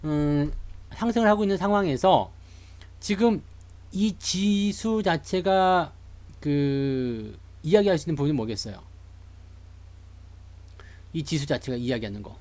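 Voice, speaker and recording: A man's voice: on the high side, expressive, a little slow, pauses often, a little mellow. A man from Seoul giving a chatty, joking live lecture on stock charts to online viewers. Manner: chatty, jokey, greets live chat viewers. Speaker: stock market streamer.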